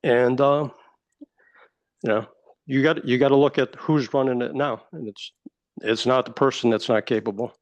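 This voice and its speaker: A man speaking as a club member on a recorded call, firm and defiant, clearing his throat now and then. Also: medium pitch, steady tone, moderate pace, pauses often, no echo.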